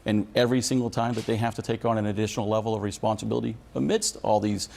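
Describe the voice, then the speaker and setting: Gravelly, low-voiced American man. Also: fairly even intonation, fast, a little mellow. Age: middle-aged. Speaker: union leader representing air traffic controllers. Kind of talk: formal news interview answers.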